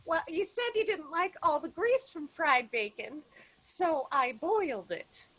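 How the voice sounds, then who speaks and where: A woman's voice: high-pitched, sing-song, a little slow, a bit bright, full character voice, rough recording. A woman playing a sweet, placating suburban mother in a comedic script read, soothing and earnest. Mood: soothing, cheerful.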